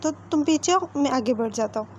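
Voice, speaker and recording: A woman's voice: high voice, animated, fairly quick, highs cut off, slight background noise. A woman voicing a timid, easily frightened young man who stammers and pleads. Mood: scared, sulky.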